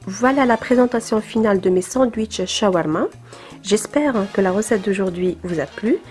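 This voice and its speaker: A woman narrating the final steps of a recipe video in a smooth, brisk scripted delivery. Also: medium pitch, animated, a little mellow. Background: light background music.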